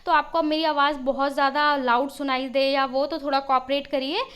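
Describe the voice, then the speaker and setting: Lady teacher, high voice, sore throat, keeps quizzing the kids as she explains. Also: flat delivery, a bit bright. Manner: explains in a questioning, step-by-step way; reads English lines slowly, then explains. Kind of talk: worksheet lesson for school students.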